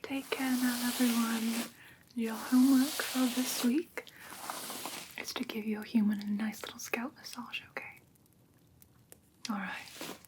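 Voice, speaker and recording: Woman as gentle vampire schoolmistress, ASMR roleplay. Breathy whisper, patient instruction, slightly high register, clear background noise. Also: fairly even intonation, measured pace, long pauses, natural voice. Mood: gentle, instructive. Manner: soft, patient, instructive, reassuring. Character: gentle female vampire teacher of human pet care.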